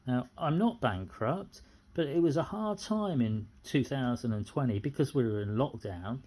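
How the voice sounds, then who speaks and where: An aggrieved middle-aged British tenant talks off the cuff in a soft-edged, mellow voice. The pitch sits in a middle register and moves around freely. The delivery is indignant and repetitive, like a personal complaint spoken without a script. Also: expressive, normal speed. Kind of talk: unscripted personal grievance monologue.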